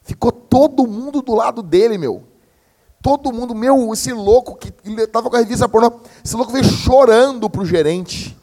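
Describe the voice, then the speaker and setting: A young adult man, preaching a sermon as pastor in a slangy, animated storytelling manner. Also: very high-pitched, normal speed. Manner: slangy, animated storytelling, peppered with "meu" and "cara".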